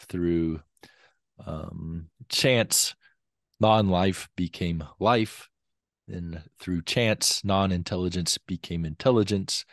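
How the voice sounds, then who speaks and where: A young man with a lingering cough, speaking in a low voice, appears as a guest scholar on a video call from his home study using a desk mic. He explains his views step by step in a measured way with frequent ums, and the recording is dry and studio quality.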